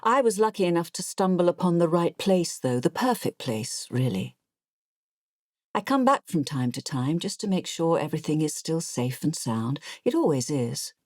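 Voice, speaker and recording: Audiobook prologue: a killer confessing, self-satisfied and measured, low female register, dry intimate sound. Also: big pitch swings, a little mellow, no echo. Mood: cool, confessional. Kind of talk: audiobook monologue.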